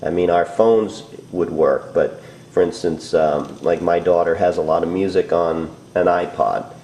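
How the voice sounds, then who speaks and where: A man's voice: deep voice, steady tone, unhurried, mellow. A middle-aged man giving a casual, hands-on DIY tutorial, informal and a little hesitant as he thinks aloud. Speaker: DIY home improvement demonstrator. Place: indoors in a house. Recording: echoey room with background noise.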